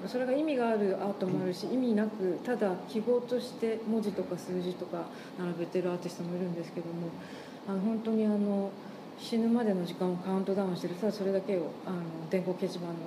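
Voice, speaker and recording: A woman talks at a fairly quick pace and medium pitch, with ordinary pitch variation, while audible room echo and noticeable background noise fill the recording. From Japan, Niigata. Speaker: art space and cafe co-owner. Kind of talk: interview conversation.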